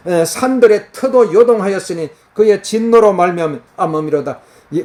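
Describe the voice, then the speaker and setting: A man's voice: high-pitched, darkish tone. A man preaching a fervent, earnest sermon in the countryside. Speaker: pastor. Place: countryside, crickets and cicadas heard outside.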